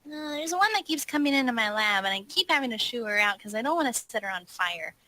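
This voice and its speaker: A woman's voice: a little high, animated, fast talker, pushed and bright, no room sound. A woman playing a tabletop roleplaying game, improvising casual in-character dialogue in a wry way.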